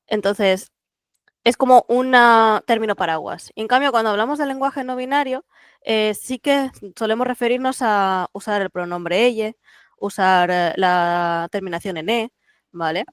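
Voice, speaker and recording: A podcast guest whose first language is Catalan explains things in a thoughtful, unhurried way, leaning on small fillers as the thoughts come. The voice is smooth and clear, mid-pitched, recorded close and dry with no room sound. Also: female voice, dry recording. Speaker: guest translator. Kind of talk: relaxed podcast interview.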